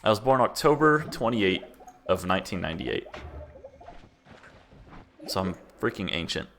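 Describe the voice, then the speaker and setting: A chatty young man in his twenties with a fairly low voice, talking loosely through a gaming stream. He rambles and laughs at himself as he plays. A faint hiss sits under the recording. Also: very animated, moderate pace, a bit bright. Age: 20s. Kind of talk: casual gameplay commentary chatting with chat.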